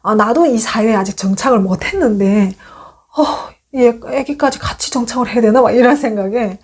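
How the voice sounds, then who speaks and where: Her voice is on the high side, brisk and husky. She's a woman in her thirties from North Korea who shares a personal story on YouTube in a casual, animated monologue, acting out the quoted lines.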